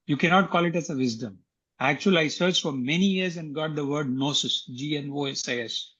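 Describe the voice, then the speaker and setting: A man's voice: fairly high pitch, brisk, a bit bright, husky, highs cut off. A man from Tamil Nadu speaking as a guest, explaining earnestly and often repeating himself. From Tamil Nadu, India. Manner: earnest, repeats words, frequent fillers. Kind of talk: casual explanatory talk on an online call.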